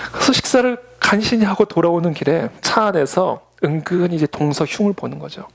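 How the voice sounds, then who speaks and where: A man with a slightly high, creaky, husky voice preaches a Sunday sermon as a pastor at normal speed. He tells stories and acts out the voices of the people in them.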